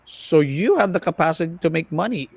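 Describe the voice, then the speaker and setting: Higher-voiced American man chatting casually, dry sound. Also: gravelly, husky, no room sound. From United States, of Filipino family. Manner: animated, self-deprecating, halting when switching into Tagalog. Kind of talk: casual livestream chat mixing English and Tagalog. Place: online video livestream.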